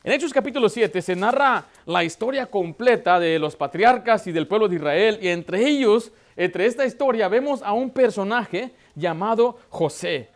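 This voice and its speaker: A man with a high voice delivers a church sermon as pastor. He often stops to ask the congregation questions, and his delivery swells with emotion as he presses his point. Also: animated, moderate pace, few pauses. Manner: preaching with rising emotion, asking the congregation questions.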